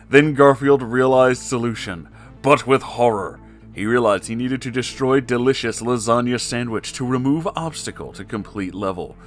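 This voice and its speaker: A man narrating a comic story in a theatrical, emphatic way, with casual asides as the host. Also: lowish voice.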